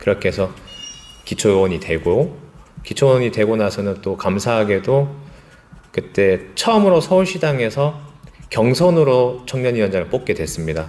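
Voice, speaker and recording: A man takes long, frequent pauses and swings his pitch very widely while holding a moderate pace, with noticeable background noise behind him. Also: medium pitch for a man. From Busan, South Korea. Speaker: local politician. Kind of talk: interview.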